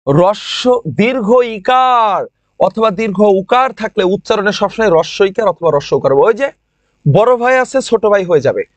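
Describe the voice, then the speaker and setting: Here a young man from Bangladesh runs a live online grammar class: he names the students he calls on, says each question and answer twice, and lingers slowly over example words. He speaks high with lively intonation, in a dry recording.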